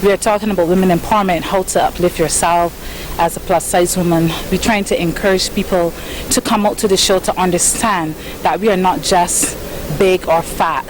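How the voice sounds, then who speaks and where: An assertive woman speaks in a lowish voice as a pageant contestant. Clear outdoor noise runs behind her. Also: steady tone, moderate pace. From Barbados.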